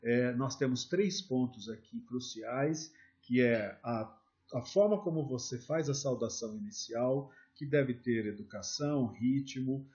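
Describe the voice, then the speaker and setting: A man's voice: medium pitch, unhurried, a little mellow, lo-fi sound. A man with a Brazilian Portuguese accent teaching a sales lesson, speaking straight to viewers and walking through examples. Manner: instructive, addresses viewers directly with examples. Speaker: sales trainer.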